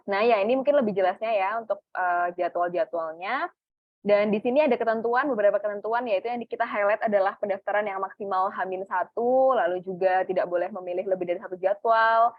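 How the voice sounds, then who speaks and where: A woman's voice: medium pitch, no echo. Webinar host lady, mid voice, lots of ums, muffled sound. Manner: friendly, filler-heavy, addresses audience. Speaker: webinar moderator. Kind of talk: moderating a webinar, promotional announcements.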